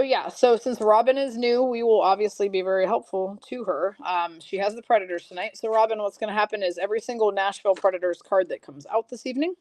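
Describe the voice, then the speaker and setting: A woman's voice: medium pitch, a little mellow, no echo, low-quality recording. A woman hosting a live trading card break in a chatty, upbeat way, rattling off players and teams. Her voice is slightly froggy. The sound is dry and close, with no room around it. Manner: chatty, quick rundown of card names and teams. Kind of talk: live-streamed card break, casual chat.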